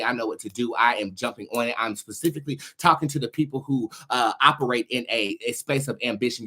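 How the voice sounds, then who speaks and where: A sassy, theatrical man hosting a livestream monologue. His voice sits at a middling pitch with a husky grain. He swears freely as he dishes out motivational talk. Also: pushed and bright. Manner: sassy, theatrical, foul-mouthed. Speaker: host of a tarot livestream show.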